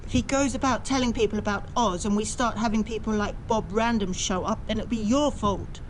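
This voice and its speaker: A woman's voice: mid-range voice, steady tone, a little fast, slight background noise, close to an everyday voice, rough recording. A woman playing a stern, cautious good witch in an audio play, formal and full of warning. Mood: wary.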